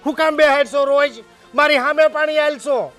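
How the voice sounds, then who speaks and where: An actor with a Kathiyawadi accent playing a loud, hot-tempered village farmer who shouts and scolds his wife. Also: very high voice, fairly even intonation, moderate pace, soft background music. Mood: angry. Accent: Kathiyawadi Gujarati. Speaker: husband and farmer. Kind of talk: village family drama acting.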